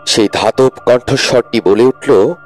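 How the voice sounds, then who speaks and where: A man's voice: mid-range voice, a little slow, soft background music, poor audio. A man narrating a dramatic audio story expressively, rising with tension.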